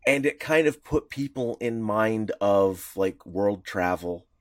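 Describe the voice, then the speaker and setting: Man, podcast co-host, deep-ish voice, dry sound, casual rambling chat, laughs a lot. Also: animated, takes it slowly, no room sound. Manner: rambling, chuckling, pitch jumping around.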